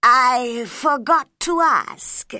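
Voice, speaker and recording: Cheshire Cat, as a woman reader puts it on, slow and teasing. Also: high voice, sharp tone, no echo, clean studio sound, voice pushed up, full character voice. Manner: slow, drawn-out, knowing delivery. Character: grinning riddling male cat, calm and teasing.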